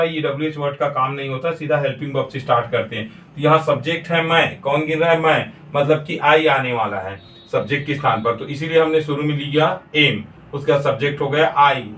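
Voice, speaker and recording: A man's voice: fairly high pitch, a bit bright, far from the mic, slight background noise. Man teaching in an echoey room. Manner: slow, deliberate dictation of English sentences; frequent throat clearing. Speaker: spoken English teacher. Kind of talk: classroom grammar lesson.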